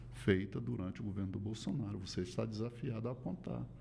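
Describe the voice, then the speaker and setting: With a dark, mellow tone and vocal fry, a man speaks at fairly low pitch with very wide pitch swings, and audible room echo is heard. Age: 60s. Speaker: state government secretary. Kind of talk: political interview.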